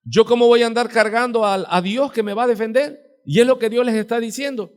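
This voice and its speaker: Brief: middle-aged Mexican pastor, high voice, quizzes the pews in a church sermon. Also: male voice, steady tone, a little fast. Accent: Mexican Spanish. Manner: preaching with rhetorical questions to the congregation, pitch swinging widely. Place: church sanctuary.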